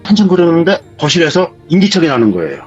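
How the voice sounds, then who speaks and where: A man with a husky voice, telling a true ghost story in a vivid, dramatic way as a guest in casual spoken storytelling. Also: a little high, big pitch swings, fast talker, darkish tone. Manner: vivid, dramatic retelling of events. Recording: dull lo-fi sound with faint music.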